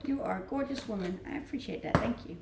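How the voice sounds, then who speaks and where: A woman's voice: medium pitch, fast talker, vocal fry, very noisy. A woman with a Danish accent, chatting easily on a livestream from her rented home, reading out and answering viewer comments and laughing often. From Denmark. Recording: roomy echo.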